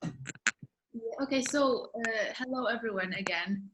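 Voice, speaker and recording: Woman moderator, high-ish and slow, hesitant, on a video call. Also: background noise. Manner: hesitant, many fillers. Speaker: moderator of introductions. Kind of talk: casual meeting facilitation.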